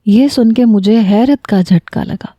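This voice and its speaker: A woman narrating a romance story in the first person, with a calm, intimate storytelling delivery. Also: fairly high pitch, no room sound.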